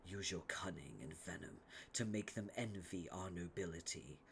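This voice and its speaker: A man voicing a stiff, haughty young male troll noble, speaking formally in a low, breathy hush. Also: moderate pace, slight background noise. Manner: formal, pompous diction, hushed breathy delivery.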